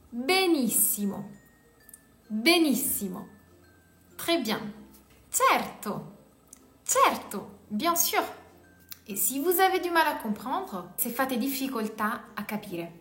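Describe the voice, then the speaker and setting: A woman's voice: high voice, big pitch swings, slow, pauses often, fairly bright tone. A woman with an Italian accent teaching a beginner lesson in French, saying each Italian word twice and then giving its meaning. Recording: echoey room with faint music.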